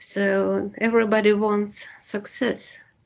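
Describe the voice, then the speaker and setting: A woman speaks very slowly with a Russian accent. Her intonation stays fairly even. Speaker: linguistics researcher. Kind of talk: Q&A after online lecture. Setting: video call. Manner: hesitant, many fillers.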